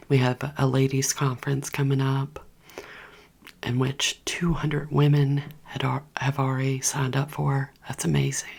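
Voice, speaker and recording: With a heater running in her home, a female ASMR creator delivers rambling, gossipy chat in a breathy whisper pitched extremely low, speaking directly to her viewers as "you guys."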